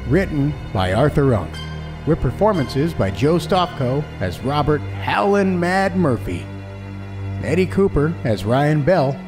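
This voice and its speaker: Male credits announcer, animated and slightly high, scripted read over clear music bed. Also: measured pace.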